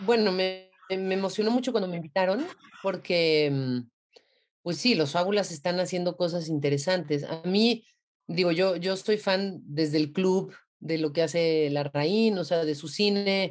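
Ordinary pitch variation marks an unremarkable speaking voice that proceeds at a fairly slow pace. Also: woman, fairly low pitch for a woman. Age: 40s. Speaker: actress. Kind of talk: interview.

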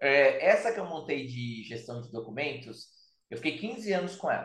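The man's fairly high voice leaps across a very wide pitch range while he keeps a moderate speed. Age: 50s. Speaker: entrepreneur and business consultant. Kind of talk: casual interview chat.

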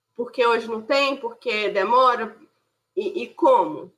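A woman's fairly high voice swings very widely in pitch. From Brazil, Belo Horizonte. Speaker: startup banker. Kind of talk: interview.

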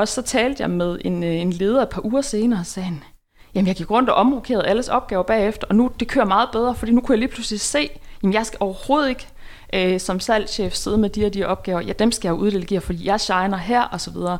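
Ordinary pitch variation marks this speech. It moves along very fast. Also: woman, medium pitch for a woman. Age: 40s. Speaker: business coach and HR consultant. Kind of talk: interview.

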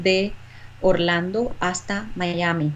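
In a normal speaking voice, a woman talks at medium pitch with fairly even intonation. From Venezuela. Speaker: real estate broker. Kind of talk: interview.

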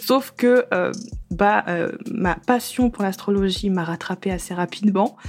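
Against music in the background, a woman talks at a very slow pace, her pitch medium with ordinary pitch variation. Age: 20s. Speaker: astrologer and small business owner. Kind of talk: interview. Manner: hesitant, many fillers.

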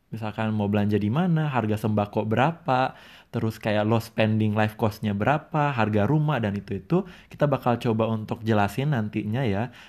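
On a very clean recording with a silent background, a man talks in a normal speaking voice at a fairly low pitch. He keeps a fairly quick pace with hardly any pauses and ordinary pitch variation. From Indonesia. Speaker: podcast co-host. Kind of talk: casual chat.

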